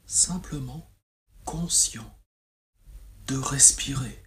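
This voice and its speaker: A man guides a relaxation meditation as a yoga nidra teacher, soothing and measured, with long pauses. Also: mid-range voice, a bit bright.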